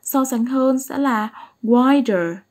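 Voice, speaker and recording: A woman teaching an English lesson, explaining slowly and patiently and often checking that her pupils follow along. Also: sits high, a little mellow. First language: Vietnamese. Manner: patient, keeps asking "right?" to check understanding.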